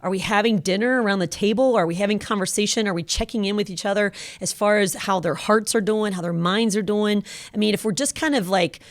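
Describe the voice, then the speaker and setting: A woman's voice: medium pitch, fairly quick, hardly any pauses, no room sound, studio quality. A middle-aged woman co-hosting a radio talk show, speaking with earnest, emphatic encouragement in a conversational style. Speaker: radio show co-host and counselor. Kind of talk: conversational faith-based encouragement.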